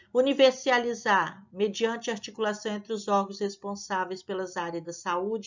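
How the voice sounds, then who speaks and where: With a plain, everyday voice, a woman talks at a medium pitch and moderate pace, with ordinary pitch variation. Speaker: teacher preparing candidates for a public exam. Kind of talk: reading aloud of legislation; tutorial.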